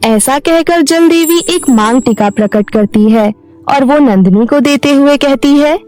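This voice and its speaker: A woman's voice: high voice, unhurried, a little mellow, soft background music. A woman reading a scripted children's story as its narrator.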